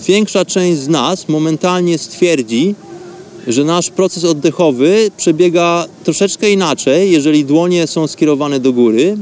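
A man hosting a radio show, giving instructional talk in an explanatory way, pausing now and then to find words. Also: a little high, darkish tone, a little hiss or hum. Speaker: host of a radio show on meditation.

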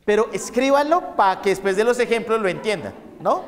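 A man's voice: high voice, lively intonation, a little fast. Man, psychology lecturer, storytelling, dictating, echoey lecture hall. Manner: storytelling, repeats points to dictate. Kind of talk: university lecture.

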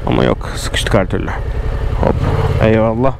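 A man's voice: lowish voice, big pitch swings, normal speed. A man chats casually to viewers in slangy, joking running commentary, speaking into a helmet mic while riding a motorcycle. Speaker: motorcycle vlogger. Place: outdoors on a moving motorcycle in city traffic. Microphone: close helmet microphone. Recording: clear engine, wind and traffic noise. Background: motorbike and city traffic noise.

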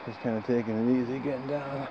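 A man with a creaky voice chatting casually and off the cuff as he vlogs outdoors on a trail, with dry asides. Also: mid-range voice, fast talker. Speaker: hiking vlogger. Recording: dull lo-fi outdoor sound, steady noise.

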